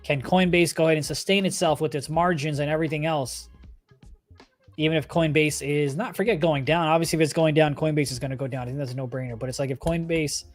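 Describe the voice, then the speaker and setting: Over faint background music, a stock trader hosts a relaxed trading livestream in a slightly high voice. His tone stays steady and he talks fast, chatting informally and addressing viewers directly with live commentary.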